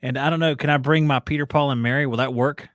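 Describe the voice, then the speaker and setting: A man's voice: medium pitch, steady tone, quick pace, no echo, clean studio sound. A man in his forties chatting casually, easygoing and full of questions. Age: 40s. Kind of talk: casual chat.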